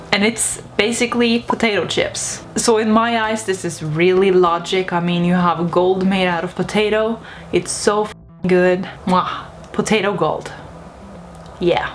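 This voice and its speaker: A woman's voice: fairly low pitch, measured pace, soft background music. A young woman from Norway, chatting casually and playfully to her viewers in a video monologue. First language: Norwegian. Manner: chatty, lively, laughs at her own points. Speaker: vlogger.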